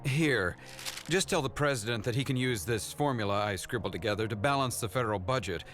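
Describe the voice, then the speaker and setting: A man's voice: medium pitch, fairly quick, fairly bright tone, faint music behind, lightly acted. A man voicing an arrogant, aloof genius scientist in a motion comic, smug, precise and condescending.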